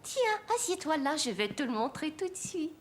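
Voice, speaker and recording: An actress playing a friendly, doting old lady in a children's cartoon, sweet, coaxing and expressive. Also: high-pitched, moderate pace, slight background noise. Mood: delighted. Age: older.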